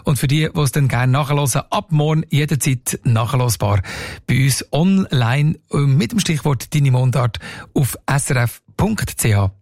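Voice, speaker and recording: A man presenting a radio segment in a relaxed, scripted way with small hesitations. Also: mid-range voice, normal speed, dry recording, clean studio sound. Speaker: radio host.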